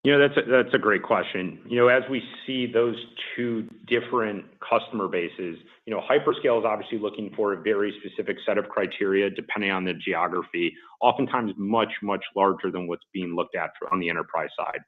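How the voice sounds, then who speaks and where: Male corporate executive, slightly low voice, measured earnings-call answers, narrow telephone sound. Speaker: company executive. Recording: muffled phone-like conference line.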